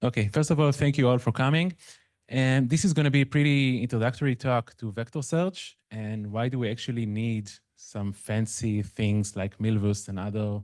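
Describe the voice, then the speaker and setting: Speech with an Israeli accent over a quiet background. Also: man, medium pitch for a man, ordinary pitch variation, moderate pace. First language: Hebrew. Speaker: machine learning consultant. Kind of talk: technical talk.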